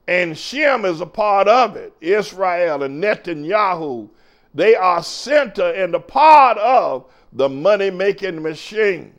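High-pitched older American preacher, declaiming. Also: male voice, lo-fi sound. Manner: emphatic, declamatory, swinging from shouts to muttered asides. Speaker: preacher and show host. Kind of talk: fiery political sermon.

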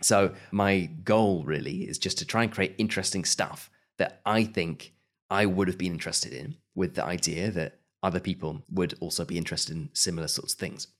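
A man answering as a podcast guest, speaking in a measured, thoughtful way with frequent hedges and restarts. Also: sits low. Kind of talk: remote podcast interview.

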